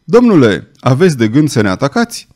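A man's voice: mid-range voice, huge pitch swings, a little mellow. A man voicing a dignified, wry old male swordsman who speaks with courteous irony. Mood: ironic. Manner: courteous and ironic.

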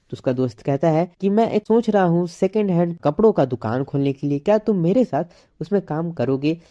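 Woman, anime recap narrator, low voice, dark warm tone, steady retelling. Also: muffled recording. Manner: plain, steady retelling with quoted dialogue. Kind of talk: storytelling recap, reading out character lines.

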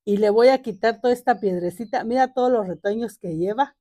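A woman's voice: a little high, fairly quick, warm tone, no room sound. Chatty older woman in a dry garden. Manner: chatty, joking, fond of her plants, many fillers. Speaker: gardening channel host. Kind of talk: casual gardening vlog talk. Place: home garden outdoors.

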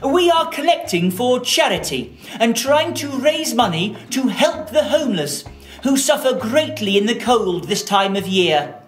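A woman's voice: on the high side, sing-song, measured pace, reverberant, soft background music. Polite, earnest charity man woman performer, formal, sing-song swoops, children's puppet tale. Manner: formal, deferential. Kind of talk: children's puppet-show storytelling.

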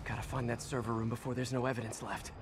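A man's voice: medium pitch, steady tone, fast, heavy background noise, close to an everyday voice. A man voicing a cocky, playful young superhero with an American accent in a video game. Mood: focused, wry. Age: young adult. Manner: playful, sarcastic. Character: wisecracking young male superhero, cocky and nimble. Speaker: superhero player character. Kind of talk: video game voice acting, quips. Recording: loud game music over the voice.

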